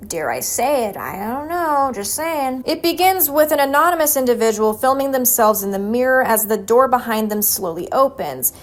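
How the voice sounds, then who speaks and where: A young woman hosting a horror video essay, mixing scripted narration with jokey, slangy, theatrical asides. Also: fairly high pitch.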